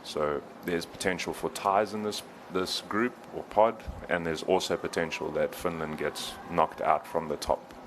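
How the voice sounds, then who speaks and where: A man commentating a sports qualifier, calmly explaining standings and possible ties. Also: low-pitched, unhurried, few pauses, noisy background. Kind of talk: play-by-play commentary.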